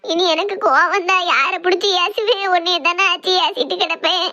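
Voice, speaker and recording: A woman's voice: very high voice, steady tone, moderate pace, bright, forceful tone. A woman voicing a tearful young village bride, who pleads as she talks about leaving home. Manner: pleading, weepy.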